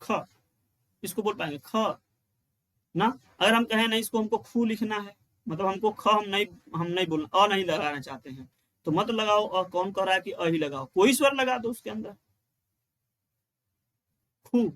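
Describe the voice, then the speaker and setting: High-voiced man teaching grammar. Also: a bit bright. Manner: explains step by step, repeats lines and asks questions he answers himself; chants rules in a slow sing-song. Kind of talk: exam-prep grammar lesson.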